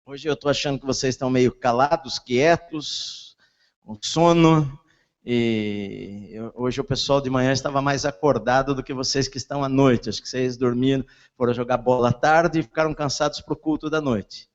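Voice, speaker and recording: Brazilian pastor preaching with a barely opened mouth. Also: male voice, mid-range voice, steady tone, normal speed. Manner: talks with mouth barely open. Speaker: pastor preaching at a church service. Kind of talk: sermon. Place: large indoor church hall during a service. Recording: muffled, reverberant large church hall.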